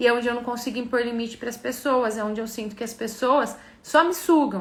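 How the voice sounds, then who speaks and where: Room echo is audible. A woman speaks with a high voice. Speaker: systemic coach. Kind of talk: live stream talk. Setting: Instagram live. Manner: fast.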